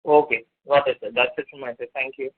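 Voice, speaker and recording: A man's voice: mid-range voice, fairly even intonation, quick pace, husky. A man with an Indian accent, an analyst calling in to put polite questions on an earnings call. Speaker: investment analyst caller. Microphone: telephone. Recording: narrow phone line.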